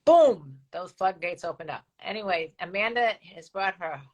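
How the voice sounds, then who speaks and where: A woman's voice: fairly low pitch, moderate pace, fairly bright tone, low-quality recording. An older woman co-hosting a live stream, chatting frankly and bawdily and reading out viewer comments. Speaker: co-host of a live stream show. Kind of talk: casual chat.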